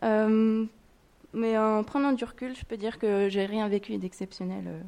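With an unremarkable speaking voice, a woman talks at a fairly slow pace in a fairly high pitch with fairly even intonation. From Strasbourg, France. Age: 20s. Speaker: baptism candidate. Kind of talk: testimony. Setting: church.

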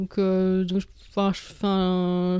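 A woman speaks at a medium pitch with a dark, mellow tone. The sound is dry and close with no echo, on a very clean recording with a silent background. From New Caledonia. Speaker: fantasy author and illustrator. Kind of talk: casual interview. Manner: hesitant.

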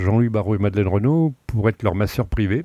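A man's fairly low voice, dark and mellow in tone, with lively intonation against a quiet background. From France. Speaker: breathing expert and author. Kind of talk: interview.

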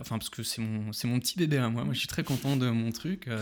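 Fairly quick in pace, a man speaks at a medium pitch. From north-eastern France, Moselle. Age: 30s. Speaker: software developer and entrepreneur. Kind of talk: casual interview. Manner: hesitant, many fillers.

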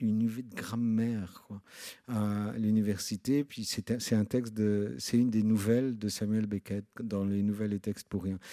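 A man talks at a very slow pace in a dark, mellow tone with fairly low pitch and fairly even intonation. The sound is dry and close with no echo, on a very clean recording with a silent background. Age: 60s. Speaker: writer. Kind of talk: public book talk interview.

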